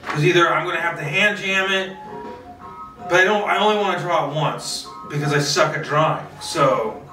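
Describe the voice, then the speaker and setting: A man with a fairly high, bright voice hosts a solo video, rambling casually to camera at a moderate pace. His tone is forceful, theatrical, self-mocking and sweary. The mic is distant, the room echoes, and faint music plays.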